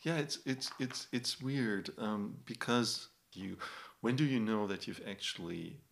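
Very deep, gravelly-voiced man. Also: unhurried. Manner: laughs easily, relaxed and chatty. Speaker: podcast co-host. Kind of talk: casual conversation.

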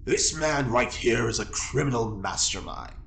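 A man's voice: medium pitch, expressive, normal speed, gravelly, fairly bright tone, roomy sound. A man playing a droll, eloquent prisoner in an audio drama, speaking in a wordy, dryly theatrical way. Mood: grandiose.

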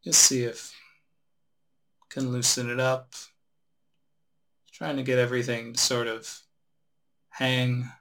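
Male meditation instructor, crisp bright tone with plenty of vocal fry, unhurried step-by-step guidance. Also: mid-range voice, flat delivery. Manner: unhurried instruction with long pauses. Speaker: meditation teacher. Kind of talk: guided relaxation meditation instruction.

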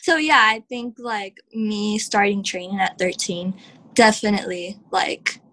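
A young woman from Texas, a professional wrestler, answering interview questions in a chatty way, full of "like" and quick laughs. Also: mid-range voice, steady tone, pushed and bright, poor audio. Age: young adult. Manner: chatty, heavy use of "like", laughs often.

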